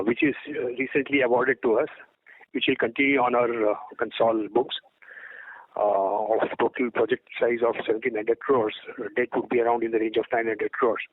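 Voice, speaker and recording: A man's voice: mid-range voice, moderate pace, no echo, narrow, tinny audio. A man with an Indian accent, a company executive answering questions on an earnings call, hesitant and repeating words, over a phone conference line.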